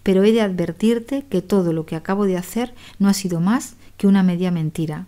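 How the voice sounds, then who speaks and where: A woman reading a storybook aloud as an audiobook narrator, in a measured, dramatic way. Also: medium pitch, mellow.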